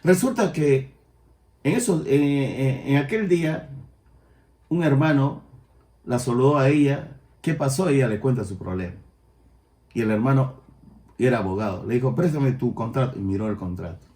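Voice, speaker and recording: An older man with a Peruvian Spanish accent, preaching a sermon as pastor and rising loud on his key points. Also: medium pitch, normal speed, long pauses, roomy sound. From Peru.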